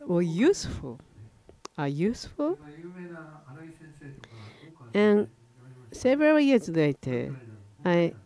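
An older man from Japan, a native Japanese speaker, preaching a sermon in English with a Japanese accent, halting and often correcting himself. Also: a little high, mellow. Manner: halting, frequent self-corrections and restarts. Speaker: pastor. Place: church platform at a wooden lectern, indoors.

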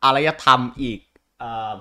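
A man's voice: measured pace, bright, forceful tone. A man explaining things in casual chat as a co-host, hesitant and often repeating his words.

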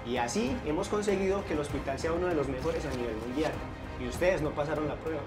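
Fast-talking stern young boss doctor. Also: male voice, a little high, loud music behind the voice. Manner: firm, lecturing. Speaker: hospital head doctor. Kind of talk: staged short drama. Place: clinic office.

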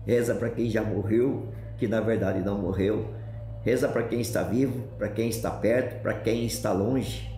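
A man with a mellow, middle-pitched voice speaking in a calm, measured way. The room echoes around him, and soft music plays behind. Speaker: religious speaker. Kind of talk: recorded testimony.

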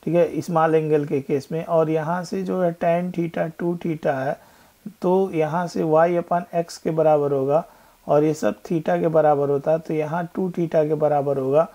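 A man tutoring physics over a screen recording, laying out each step of a problem with patience. His voice is mellow and dark, and he speaks at a slow, unhurried pace, often slowing further to read the question aloud. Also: fairly high pitch, steady tone. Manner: explains step by step, mixing Hindi with English, rereads question text slowly. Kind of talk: whiteboard exam-problem walkthrough.

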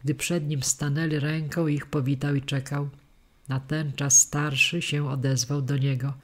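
A man narrating a historical tale in a measured, dramatic audiobook reading. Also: fairly high pitch, flat delivery. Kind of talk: scripted narration.

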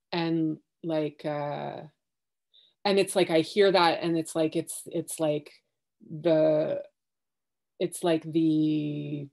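A woman in her thirties sharing her thoughts on a video call from home, halting and searching for words, with many fillers and restarts. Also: fairly low pitch, creaky, a little mellow. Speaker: workshop participant. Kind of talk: hesitant reflective sharing. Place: home living room.

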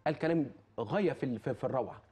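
A man's voice: mid-range voice, racing, warm tone. A man with an Egyptian Arabic accent, preaching with fervor as a charity guest on a TV talk show, quoting scripture and swearing oaths. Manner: impassioned, quotes scripture, repeats oaths.

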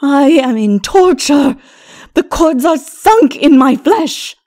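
A woman voicing a tormented demon princess in a storybook, with anguished, pleading, drawn-out words. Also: high-pitched, animated, mellow, pitched above the performer's own voice. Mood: agonized pleading. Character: vampiric demon princess, moaning and screaming in torment.

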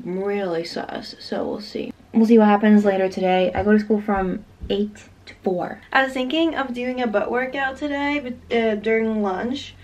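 A woman's voice: medium pitch, normal speed, darkish tone. Chatty teenage girl vlogging. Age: late teens. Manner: chatty, frequent "like", candid about her feelings. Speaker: vlogger, high school senior. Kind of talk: casual vlog chat.

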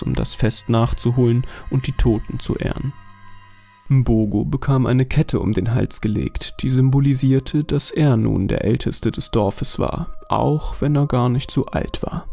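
Man narrating horror, gravelly, dark tone, calm and measured, faint music under. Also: medium pitch. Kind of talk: scripted horror story narration.

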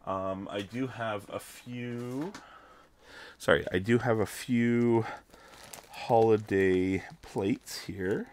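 A Canadian man hosting a casual crafting tutorial, chatty with many ums, his voice still rough from being sick. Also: on the low side, steady tone, drawn-out words, darkish tone, a little hiss or hum. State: recovering from illness, voice still rough. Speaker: craft video host.

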